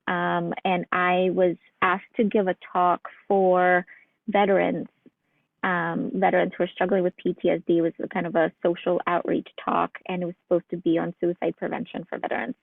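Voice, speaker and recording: A woman's voice: fairly low pitch, gravelly, no echo. A woman from Ukraine, a psychologist guest, answering interview questions in an earnest, reflective way with many fillers, over a tinny phone-like line.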